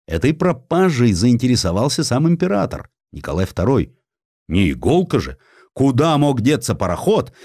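Male narrator for historical prose: lowish voice, very varied delivery, wry and theatrical, close dry studio sound. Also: a little mellow, slightly rough, dry recording. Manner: wry, theatrical storytelling with acted quotes. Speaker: audiobook narrator. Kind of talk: expressive dramatized narration of historical sketches.

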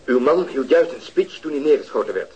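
An actor playing a patient, methodical police detective in a radio drama. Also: male voice, mid-range voice, lively intonation, fairly quick, warm tone, highs cut off, close to an everyday voice. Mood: polite. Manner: polite, methodical questioning. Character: patient police detective, middle-aged man.

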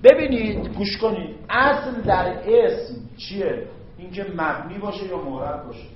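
A man's voice: sits high, animated, a little hiss or hum. A man teaching grammar in a classroom lecture, often stopping to check whether his students follow. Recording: echoey, dull classroom recording.

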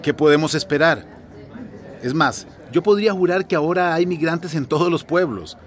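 An actor playing a tired, placating town mayor in a radio drama, sounding exasperated. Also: male voice, a little high, normal speed, natural voice. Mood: weary. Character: weary small-town mayor, middle-aged man.

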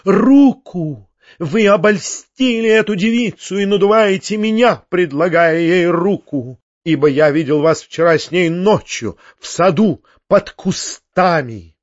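A man's voice: fairly high pitch, very animated, takes it slowly, dry recording, muffled recording. A man voicing a pompous, sanctimonious older male tyrant who preaches and shrieks. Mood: shrieking. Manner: preachy, shrieking when enraged.

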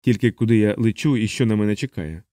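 A man's voice: on the low side, quick pace, warm tone, dry recording, studio quality, close to an everyday voice. A man voicing a frightened, sarcastic human traveler in an audiobook. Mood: pleading. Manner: sarcastic, pleading.

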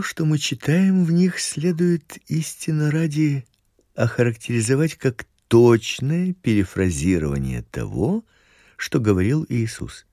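A man giving a scripted Christian lecture in a slow, measured reading voice. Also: dark tone, slightly rough, no echo, clean studio sound. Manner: slow, measured reading with wide pitch swings. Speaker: Christian teacher.

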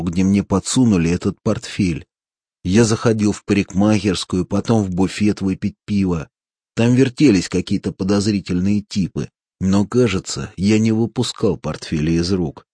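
A man voicing a calm, wry former male seminarian in an audiobook, speaking in a mocking, low-key way. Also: breathy edge, dry recording.

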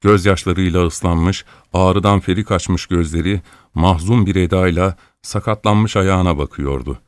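A man reading a story aloud at a steady, measured pace. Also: low voice, clean tone, no room sound, studio quality. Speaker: narrator. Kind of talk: audiobook narration of a story.

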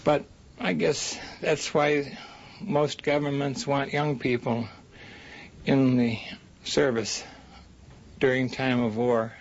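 A man reminiscing casually in an interview, haltingly searching for his words. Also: mid-range voice, level tone, vocal fry. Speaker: interviewee recalling a wartime pilot. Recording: muffled recording with faint background noise.

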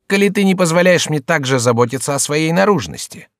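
Guy doing a squeaky cheeky court jester, jumps all over the place, dry studio sound. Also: animated, a little fast, no echo. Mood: mocking. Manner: cheeky, teasing, shrill outbursts. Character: mocking gluttonous male court jester, adult. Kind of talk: audiobook character voice.

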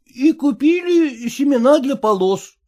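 A man's voice: very high-pitched, animated, a little slow, warm tone, voice pushed up. A man voicing a drowsy, hungover young peasant who drawls lazily and yawns between words. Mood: reading haltingly.

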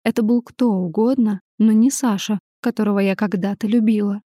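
A woman narrating a first-person audiobook in an even, measured way. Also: medium pitch, no echo, clean studio sound.

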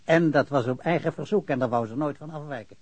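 An actor playing a practical, plain-spoken police investigator in a naturalistic radio drama. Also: male voice, on the high side, quick pace, darkish tone, no echo, natural voice. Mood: reporting.

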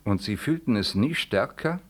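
An actor playing a solemn, courteous but unyielding Catholic priest in a 1960s radio play, speaking formally and deliberately with weighty pauses. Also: male voice, on the low side, expressive. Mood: solemn, stern.

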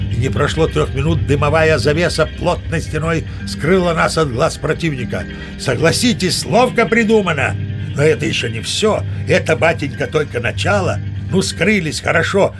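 A man's voice: on the high side, vocal fry. An actor playing a boastful old sea captain, chatting to the listener as he spins tall tales in an audio play. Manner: chatty, self-satisfied storyteller addressing the listener. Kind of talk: audio play storytelling monologue.

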